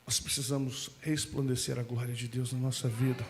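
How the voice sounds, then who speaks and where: A man preaching a sermon, telling funny stories with shouted asides and impressions. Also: mid-range voice, brisk, noisy background. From Brazil. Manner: animated, humorous storytelling with shouted asides and impressions. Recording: music playing behind the voice.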